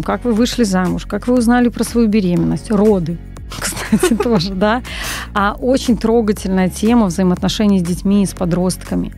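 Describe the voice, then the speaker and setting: A woman in her forties, a copywriter guest on a radio talk show, telling stories in an animated way with frequent hesitations, speaking into a studio microphone. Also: mid-range voice. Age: 40s. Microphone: large studio mic on boom arm, wearing headphones.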